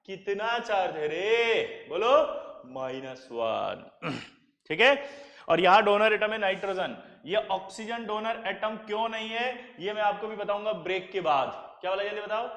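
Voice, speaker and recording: A man's voice: high voice, moderate pace, fairly bright tone. A man teaching chemistry in a classroom lecture, drilling students with repeated questions and answers. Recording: echoey classroom with long reverb.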